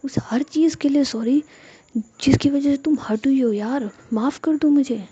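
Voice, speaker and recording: A woman's voice: moderate pace, dull audio, close to an everyday voice. A woman voicing a young woman who keeps pleading with her angry friend, in an emotional, raised voice. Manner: pleading, emotional, slightly higher and louder.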